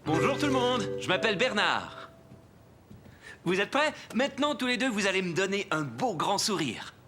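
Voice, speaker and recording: A man's voice: sits high, big pitch swings, normal speed, music in the background. A man voicing a cheerful, fussy portrait photographer in a French children's cartoon, theatrical and coaxing. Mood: jolly, coaxing.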